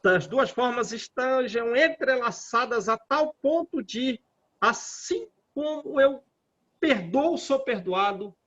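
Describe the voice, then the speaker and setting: A man with a Brazilian Portuguese accent who leads a Spiritist study group. He reads scripture aloud slowly and comments on it reflectively. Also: sits high, a bit bright. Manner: slow and reflective, rereads passages aloud, asks "né?". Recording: dull lo-fi audio.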